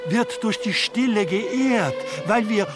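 An actor playing an earnest, deferential medieval scribe in a radio play, with a formal, archaic and solicitous manner. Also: male voice, high-pitched, slow pace. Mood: earnest, puzzled. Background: music.

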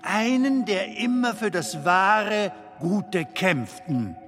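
An actor playing a gentle, wistful film comedian in a radio drama, speaking in halting, hushed, wondering phrases. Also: male voice, sits high, expressive, music in the background. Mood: gently amused. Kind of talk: radio drama acting in German.

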